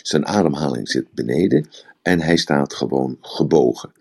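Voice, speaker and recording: A man's voice: a bass voice, expressive, normal speed, vocal fry, mellow, slightly rough. A man giving a rambling, explanatory talk on communication in a live audio room, often repeating words. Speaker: speaker on communication.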